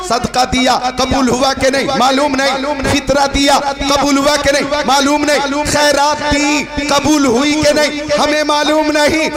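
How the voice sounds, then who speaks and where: Amid noticeable background noise and audible room echo, a man with an extremely high voice speaks with monotone, flat intonation and very even loudness. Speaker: Islamic preacher. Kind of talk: sermon.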